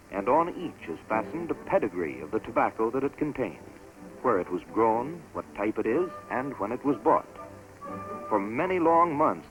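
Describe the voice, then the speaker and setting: Old-school film narrator guy, stately and measured, voice rises and falls a lot, music playing under him. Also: medium pitch, poor audio. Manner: measured, stately announcer delivery. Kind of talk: scripted documentary narration. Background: orchestral music score.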